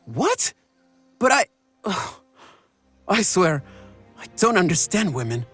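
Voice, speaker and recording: A man's voice: high-pitched, very animated, slow pace, fairly bright tone, slightly rough, soft background music, heavily acted. A man acting a lovesick, earnest young mercenary in a video game, melodramatic and formally spoken. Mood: bewildered.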